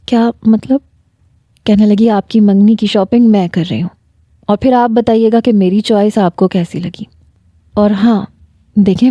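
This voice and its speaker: Dark-voiced woman narrating a story. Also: medium pitch, no room sound. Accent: Pakistani Urdu. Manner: reads a first-person romance, voicing a young man and his fiancée in the same voice. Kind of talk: scripted narration.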